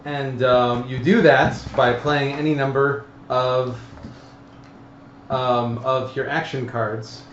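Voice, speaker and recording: A man hosting a casual tabletop game stream, explaining the rules in a halting, hesitant way. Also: mid-range voice, level tone. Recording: roomy, dull audio with faint noise.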